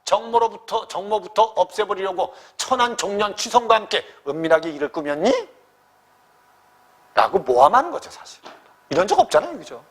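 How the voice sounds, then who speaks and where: A man with a high, animated voice teaches a literature lesson for exam preparation at a fairly quick pace. He questions his students often, checking that they are keeping up.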